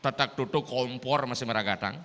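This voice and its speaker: A man with a Sulawesi accent, a Hindu priest giving a dharma talk and preaching in a lively way, with English phrases mixed in. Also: medium pitch, fairly quick. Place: large hall at a temple gathering. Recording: long reverb of a hall.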